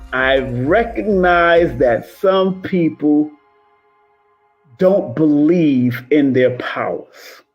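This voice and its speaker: Livestreaming as a numerologist, this man with a fairly high, somewhat mellow voice gives live viewers a casual pep talk. Of Cuban and Jamaican descent, he rolls his R's and speaks emphatically, repeating himself.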